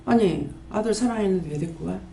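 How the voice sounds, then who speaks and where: A woman pastor, preaching a sermon and scolding with rapid-fire rhetorical questions. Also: medium pitch, lively intonation, vocal fry, warm tone. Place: prayer house church. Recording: echoey church hall, faint background noise.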